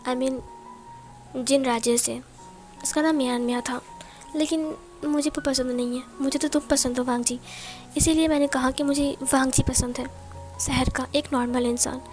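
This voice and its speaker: A playful young prince who teases his love one moment and begs forgiveness the next, as a woman narrator puts him on. The voice sits high and light, and there is soft music underneath. It is plainly told, like a storybook retelling. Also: fairly even intonation, moderate pace, pauses often, lightly acted. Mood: teasing.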